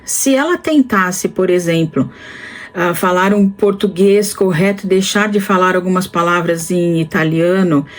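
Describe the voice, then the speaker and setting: Woman in her fifties, from Brazil, casual vlogger, slow and deliberate, pauses often. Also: fairly low pitch. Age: 50s. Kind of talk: casual reflective talk to camera.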